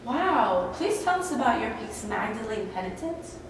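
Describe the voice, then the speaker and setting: A woman's voice: fairly high pitch, big pitch swings, normal speed. A woman acting as an interviewer in a scripted mock interview, asking eager questions and reading narration. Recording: echoey hall from far off, noisy.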